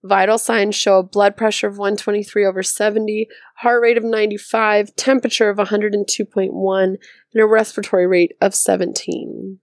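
A woman with a hoarse voice hosting a medical exam podcast, reading a case question and reasoning through the answer step by step. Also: medium pitch, level tone, fairly quick, no room sound, studio quality. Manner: methodical, thinks aloud step by step. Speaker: podcast host teaching medicine. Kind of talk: explaining a board exam question.

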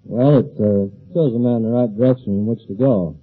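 A man's voice: medium pitch, fairly quick, very noisy. A young man answering briefly as a contestant on a radio quiz show. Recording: tinny vintage radio recording, loud organ music.

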